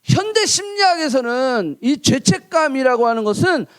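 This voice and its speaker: A man preaches with a playful storyteller's flair, his high voice leaping up and down as he spins a tale. The sound is close and dry, with no room around it. He keeps drawing listeners in with questions. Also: normal speed, no echo. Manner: animated, playful, acts out characters. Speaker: pastor. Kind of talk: sermon with lively storytelling.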